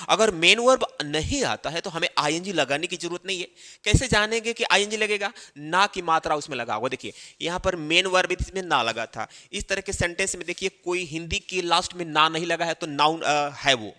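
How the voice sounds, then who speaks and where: A man teaching English grammar in Hindi. He explains slowly and repeats phrases, with many fillers, while writing on a board. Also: a little high, pushed and bright, long reverb tail.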